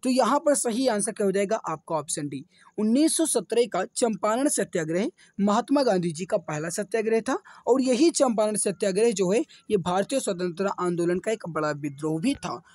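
A man with a slightly hoarse throat teaching exam questions online, repeating himself and addressing viewers as dear friends. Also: sits high, lively intonation, moderate pace, darkish tone, no echo, clean studio sound. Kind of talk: online quiz lesson with answers explained.

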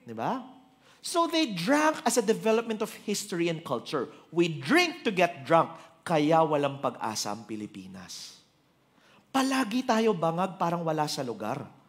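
A Filipino man preaching a sermon, with a Filipino accent and a lively voice that swings up and down in pitch. He tells his stories in an animated, conversational way, switching between Tagalog and English as he goes. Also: a little slow.

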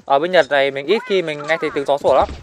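A man giving live commentary over his own shooter match, excitably calling out enemies and urging his teammates on. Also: on the high side, very fast. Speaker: gaming channel host.

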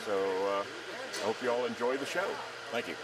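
An older man giving an informal, halting presentation of a club's booth. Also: mid-range voice, heavy background noise. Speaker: woodworking club president presenting a booth. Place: large busy exhibition hall. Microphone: handheld microphone. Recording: distant mic, loud show-floor crowd.

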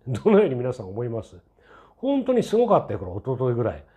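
A man in his sixties hosts his own channel, rambling casually through opinion commentary packed with fillers and tag asides, with a mildly skeptical, mocking edge. His medium-pitched voice swoops wildly, he talks fast, and the audio sounds dull.

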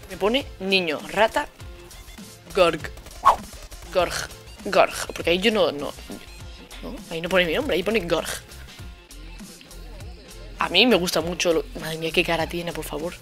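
Young Spanish gamer mocking hater comments. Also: male voice, high-pitched, sharp tone. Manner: mocking, repeats insults with sarcasm. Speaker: gaming youtuber. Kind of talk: casual commentary over gameplay.

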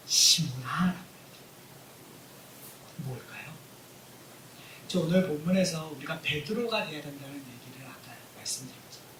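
A man preaching a sermon as a pastor. He keeps asking the congregation questions and swings between hushed asides and emphatic, rising points. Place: church hall. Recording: roomy hall, voice from a distance, faint rumble.

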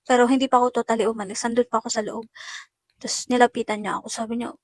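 A woman's voice: fairly high pitch, little pitch movement, racing, darkish tone, dry recording. A woman giving an emotional first-person account of how she was treated, talking to viewers in uneven bursts. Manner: addresses viewers as "guys", talks in uneven bursts. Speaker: netizen recounting an incident.

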